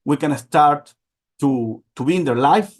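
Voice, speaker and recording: Guy presenting on a webinar call, kinda high voice, lots of uh uh and repeats. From Venezuela. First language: Spanish. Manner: halting, many repeats and fillers.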